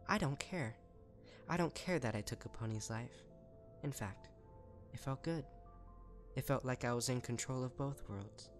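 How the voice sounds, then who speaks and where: A man with a natural, medium-pitched voice plays a deranged, eager, power-hungry female unicorn pony writing letters in a horror story. He sounds chirpy, unhinged, and smugly menacing.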